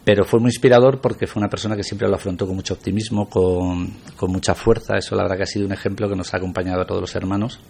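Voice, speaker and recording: A man's voice: low voice, fairly even intonation, very fast, vocal fry, hardly any pauses, a little mellow, slightly rough. A middle-aged man from Spain, a guest on a radio interview, talking reflectively with many hesitations.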